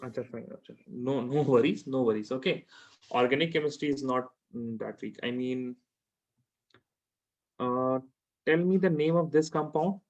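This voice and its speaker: The lo-fi recording captures a South Asian-accented chemistry teacher in informal one-to-one tutoring, who repeats phrases and regularly asks questions to check understanding. His mid-range voice has a darkish tone, normal speed and long pauses.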